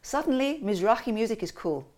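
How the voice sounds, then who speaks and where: A woman telling family and cultural stories as an interview guest in a lively, animated way. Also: fairly high pitch, brisk. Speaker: interview guest, musician and cartoonist. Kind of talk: casual conversational interview.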